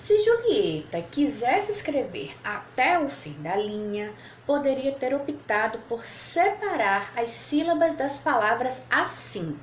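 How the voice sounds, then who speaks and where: A woman's voice: high-pitched, big pitch swings, takes it slowly. A woman teaching a lesson at a board, patiently spelling out words syllable by syllable. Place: room with whiteboard. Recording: echoey room, faint background noise.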